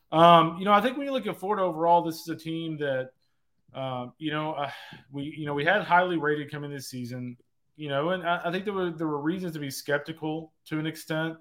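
A man's voice: on the high side, a bit bright. Chatty male baseball analyst. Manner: analytical, heavy use of filler "like". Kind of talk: casual sports podcast talk.

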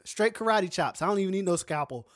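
A man's voice: high-pitched, animated, fast, dry recording, studio quality. A man co-hosting a podcast, chatting casually and joking with playful exaggeration. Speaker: podcast co-host.

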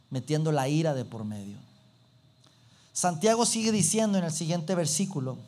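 A man preaching a sermon, animated and acting out little everyday scenes. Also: on the high side.

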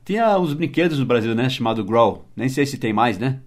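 A man with an ordinary mid-pitched voice hosts a relaxed English lesson podcast. He explains patiently, repeats key words and spells them out letter by letter for his listeners. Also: fairly quick. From United States and Brazil. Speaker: English teacher and podcast host. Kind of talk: casual spoken English lesson.

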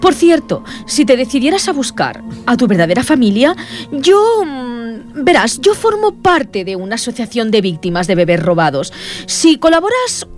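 An actress playing a haughty, scheming seance medium in a dramatic, theatrical comedy-drama manner. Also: female voice, a little high, very animated, normal speed, faint music behind. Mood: sly, coaxing. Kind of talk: scripted comedy-drama acting.

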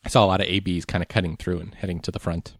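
A man's voice: deep voice, flat delivery, very fast, vocal fry, no room sound. A man losing his voice a little, chatting casually and rambling a bit as a podcast co-host. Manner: rambling, laid-back, lots of ums. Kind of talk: casual chat recapping a race.

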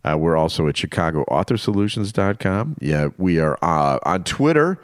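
A man's voice: sits low, lively intonation, normal speed, no echo, studio quality. A man co-hosting a podcast, reading show plugs with wry, self-mocking jokes. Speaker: podcast co-host. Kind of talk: casual chat and show plugs.

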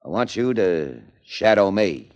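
An actor playing a blunt, cocky male political boss in a 1940s radio drama, talking in an unhurried, menacing way. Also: lowish voice, lively intonation, very noisy.

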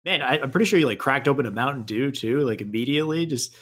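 A man hosting a stream show, upbeat and enthusiastic, firing off quick affirmations while interviewing a guest. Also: medium pitch.

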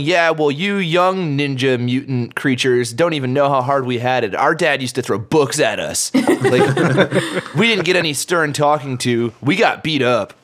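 Chatty man hosting a podcast. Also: medium pitch. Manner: relaxed, chatty, laughs often. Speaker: podcast host. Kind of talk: casual podcast chat.

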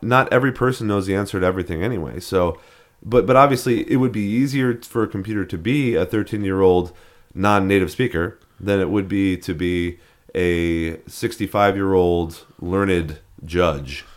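A man with a fairly low voice talks through ideas in a loose, rambling way. He restarts sentences and leans on fillers as he chats with a co-host on a podcast. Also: moderate pace. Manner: rambling, many restarts and fillers, laughs at odd names. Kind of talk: casual chat.

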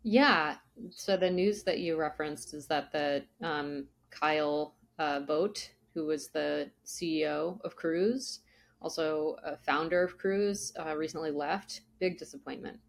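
A woman's voice: low voice, a little slow. A woman giving conversational analysis, explaining step by step and posing questions that she then answers. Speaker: analyst guest on an investment show.

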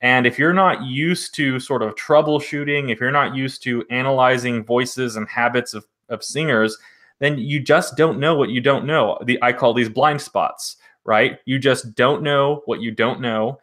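Man calmly explaining singing problems. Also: medium pitch, measured pace. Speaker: vocal coach, co-host. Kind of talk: casual podcast chat.

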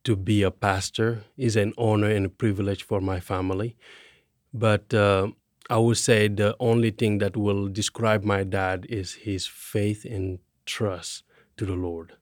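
A man from Senegal with a Senegalese accent, a guest sharing his story in a halting, deliberate way. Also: lowish voice, little pitch movement, no room sound, studio quality. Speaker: podcast guest. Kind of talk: personal testimony in conversation.

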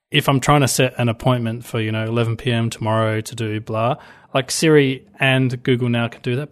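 Man, Australian accent, rapid speech, chatty, repeats words, casual tech chat. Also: mid-range voice.

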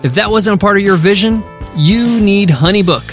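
A man's voice: sits high, moderate pace. A man hosting a business podcast, reading a sponsor ad with upbeat, salesy energy, then wrapping up the lesson. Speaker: podcast host. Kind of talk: podcast ad read and lesson wrap-up. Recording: faint guitar music behind. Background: faint guitar music.

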